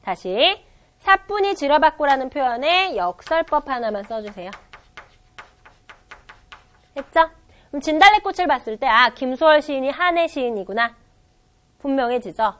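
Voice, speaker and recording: Woman teacher, high voice, animated, acts out examples, recorded lecture. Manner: lively, explains with acted-out quotes and repetition. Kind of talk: online exam-prep lecture.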